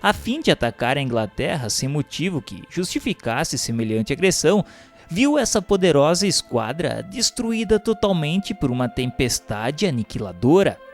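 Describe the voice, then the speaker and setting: A man with a Brazilian accent reads scripted historical narration in a formal, solemn, measured delivery. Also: on the high side, very animated. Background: music bed.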